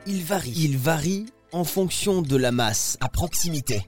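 A woman's voice: deep voice, lively intonation, normal speed, a little mellow, soft background music. A woman hosting a radio science programme, moving between scripted narration and interview questions.

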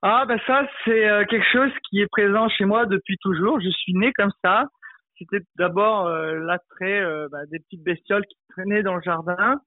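High-voiced man on a tinny phone line. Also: moderate pace, no echo. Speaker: entomologist, interview guest. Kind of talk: spontaneous explanatory interview talk.

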